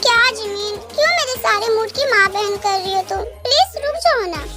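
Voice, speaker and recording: A cheeky young lover who teases and coaxes in a fan-dubbed romance drama, as a woman puts him on. He sounds very high and light for a man, with music playing underneath. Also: animated, a little fast. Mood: teasing. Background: background music.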